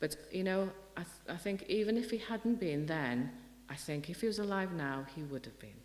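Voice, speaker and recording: There is audible room echo as a woman speaks in a North Wales accent. Her pace is moderate and her intonation lively. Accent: Welsh (north Wales). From Wales, Llŷn peninsula (Nefyn). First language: Welsh. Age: 40s. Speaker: priest and poet. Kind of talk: festival lecture.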